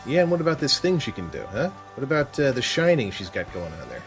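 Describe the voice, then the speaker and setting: Harried police boss, audio drama, sarcastic, weary grumbling, middle pitch, faint music behind. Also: male voice, big pitch swings, quick pace. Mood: weary, exasperated.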